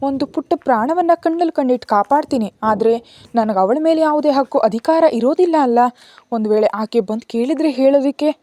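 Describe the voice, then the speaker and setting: An earnest, anxious young woman, as a woman storyteller puts her on, pressing with questions. Her voice rides noticeably higher than the narration, with a mellow, dark colour. The sound is close and dry. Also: brisk, no echo, natural voice.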